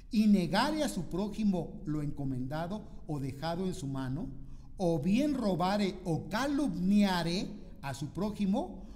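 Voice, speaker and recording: A man with a high, bright preaching voice delivers a slow, deliberate sermon. He reads scripture with dramatic swells and keeps tossing quick questions to his listeners. The sound rings with a long church-hall reverb. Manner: rhetorical questions to the congregation, dramatic scripture reading. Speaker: pastor.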